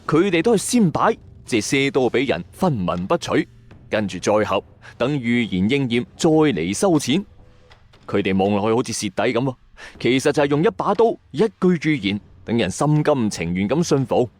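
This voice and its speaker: Casting: male mystery-channel host, Hong Kong Cantonese accent, middle register, very animated intonation, colloquial scripted storytelling. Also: medium pitch, normal speed, no room sound. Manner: storyteller's delivery with rhetorical questions and colloquial asides. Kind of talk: scripted late-night mystery narration.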